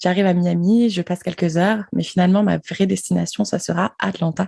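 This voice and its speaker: In a dry, close sound with no echo, a woman speaks at a moderate pace with a fairly low pitch, a somewhat breathy voice and monotone, flat intonation. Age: 30s. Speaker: engineer and podcaster. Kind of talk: personal testimony. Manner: hesitant, many fillers.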